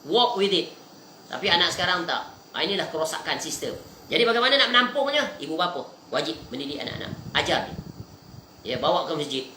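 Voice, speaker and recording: A male religious lecturer speaks with a bright, forceful edge, switching between raised, emphatic lines and soft, low asides. His voice rings around a roomy, echoey space. A faint background noise sits under the talk. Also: a little fast. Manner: animated, swings between raised emphatic and hushed low delivery.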